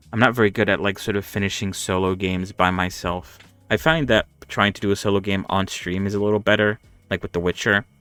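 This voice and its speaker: Music plays in the background while a man talks at a very fast pace. The sound is dry and close with no echo, and his intonation is fairly even. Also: fairly low pitch for a man. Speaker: streamer. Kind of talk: casual live stream chat. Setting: live stream.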